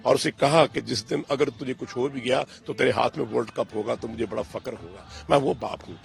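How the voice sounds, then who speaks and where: An older man, answering interview questions with emphatic, indignant passion, booming at times and dropping low at others. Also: brisk, gravelly, faint music behind. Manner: emphatic, indignant, swings between loud outbursts and low, pained tones. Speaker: interviewee, father of a cricketer.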